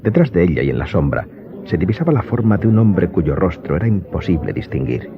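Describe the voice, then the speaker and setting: A man with a deep voice narrates a radio drama in a measured, literary way. His intonation is lively, and the slightly muffled recording carries music behind him. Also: crowd noise. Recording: dull lo-fi sound, loud music behind.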